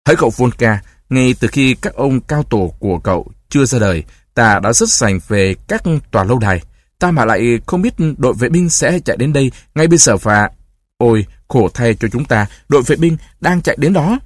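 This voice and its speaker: A man voicing an anxious, pompous old male genie who laments in flowery speech, with a husky voice. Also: medium pitch, lively intonation, a little fast, no room sound, lightly acted. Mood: alarmed.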